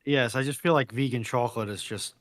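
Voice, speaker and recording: A man in a casual live chat, speaking in a measured, hesitant and wry way. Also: medium pitch.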